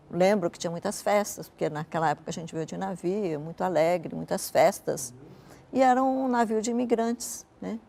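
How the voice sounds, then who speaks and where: A woman's voice: lowish voice, creaky, warm tone. An older woman who grew up in Japan and speaks natively, recalling her life in a reflective, conversational way during an interview. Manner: reflective storytelling, frequent "né" tags. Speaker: interview guest, businesswoman.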